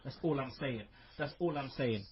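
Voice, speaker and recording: A man with a raspy voice hosting a casual wrestling podcast, loose and swearing, repeating his punchlines. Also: mid-range voice, moderate pace, muffled recording, noisy background. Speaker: podcast host.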